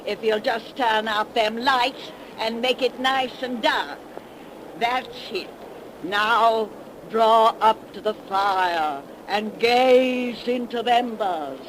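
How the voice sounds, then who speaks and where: A crone over a hundred years old cackles and drawls in a high, creaky-old voice. She takes her time over every word, folksy and sly. The old broadcast is buried under steady hiss. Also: slow, poor audio. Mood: spooky. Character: ancient cackling female witch, 110 years old. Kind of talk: 1930s radio drama acting. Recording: hissy 1930s radio broadcast recording.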